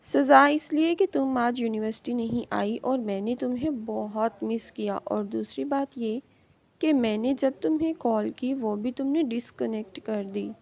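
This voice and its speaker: A woman's voice: on the high side, gravelly, darkish tone. A woman reader voicing a possessive, angry young male professor who scolds and threatens his wife. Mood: domineering. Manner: harsh, commanding, threatening.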